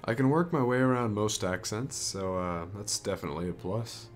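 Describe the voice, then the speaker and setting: A man's voice: fairly low pitch, animated, fairly quick. A man speaking casually and a little tentatively as an amateur voice actor introducing his work. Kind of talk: casual voice demo narration. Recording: music behind the voice. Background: music.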